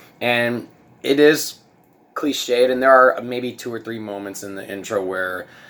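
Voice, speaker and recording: Noticeable background noise runs under the recording. A man speaks with ordinary pitch variation. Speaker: TV show reviewer. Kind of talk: casual review talk to camera. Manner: casual, laid-back.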